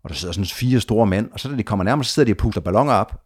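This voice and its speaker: A man telling a long story of his trip in a casual conversation, lively, with frequent restarts and repeated words. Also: on the low side.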